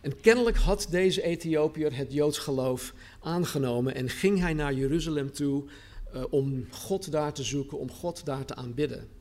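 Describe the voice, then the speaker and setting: Male preacher, slightly high voice, earnest sermon delivery with deliberate repetitions. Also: a little mellow. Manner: earnest, repeats phrases for emphasis, slows on key words. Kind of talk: sermon with scripture reading.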